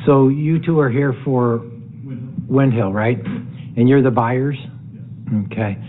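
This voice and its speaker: A man's voice: medium pitch, takes it slowly. A man advising a city council, explaining agenda matters in a conversational, explanatory way in a council chamber. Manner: conversational, explanatory, self-correcting. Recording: tinny, phone-like sound.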